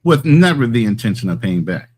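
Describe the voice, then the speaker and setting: A man's voice: medium pitch, fairly quick, breathy edge. An American man living abroad, chatting casually and telling stories, sometimes acting out quoted voices. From United States. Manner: relaxed storyteller, acts out quoted voices. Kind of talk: casual video-call chat. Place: abroad in the mountains.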